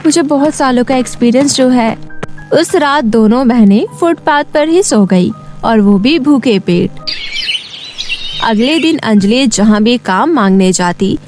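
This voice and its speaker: High-pitched woman storyteller. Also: darkish tone. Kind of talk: scripted children's story narration.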